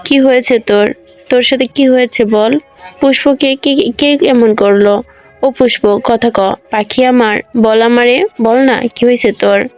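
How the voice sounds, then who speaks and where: A woman's voice: fairly high pitch, steady tone, unhurried, faint music behind, close to an everyday voice. A woman reading the lines of a fierce, protective young man in love, speaking urgently and commandingly. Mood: pleading.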